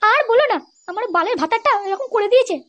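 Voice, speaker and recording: A performer voicing a sharp-tongued young wife in a comedy cartoon, crude and taunting, with a West Bengal accent and a pitched-up voice. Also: animated, fast. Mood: complaining. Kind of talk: amateur comedy cartoon dialogue.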